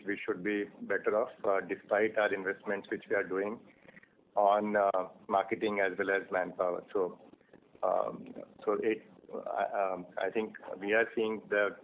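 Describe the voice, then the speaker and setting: An Indian-accented man, a company executive answering questions on an earnings call in a halting, measured way. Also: fairly low pitch. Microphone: phone line. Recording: noisy, tinny phone conference line.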